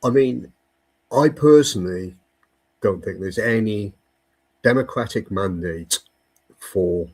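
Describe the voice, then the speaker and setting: A man's voice: lowish voice, slow, long pauses, a little mellow, husky. A Welsh man speaking as a guest in a political discussion, emphatic and often stumbling over repeated words. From Wales. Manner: emphatic, with frequent stumbling repetitions. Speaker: guest commentator.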